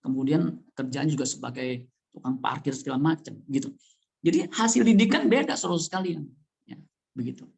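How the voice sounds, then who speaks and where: Male pastor, conversational sermon in church, animated delivery that leans on sudden rises in pitch. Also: fairly quick, vocal fry. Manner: animated, with wide swings of pitch and loudness; conversational, addressing the congregation directly.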